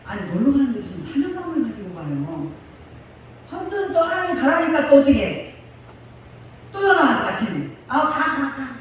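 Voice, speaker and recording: A woman pastor preaching a sermon, telling personal stories in a lively way, often laughing and acting out the people in them. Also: high voice, fairly quick, pauses often, a little hiss or hum. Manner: animated storyteller, often laughing and acting out quotes. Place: church sanctuary. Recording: echoey church hall, mic far off.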